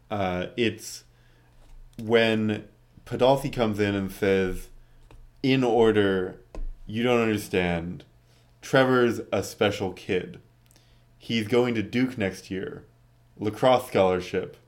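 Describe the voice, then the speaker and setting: Long, frequent pauses break up a very slow pace from a man with an American accent. His pitch is fairly low, with ordinary variation. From Oklahoma. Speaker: podcast co-host. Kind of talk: casual chat.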